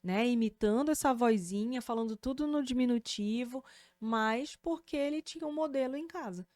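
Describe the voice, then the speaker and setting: Animated Brazilian woman explaining clearly. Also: on the high side, normal speed, no echo. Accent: Brazilian Portuguese. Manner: didactic, animated, checks in with "né?" and "tá?". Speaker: speech therapist and podcast host. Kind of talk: explanatory podcast conversation.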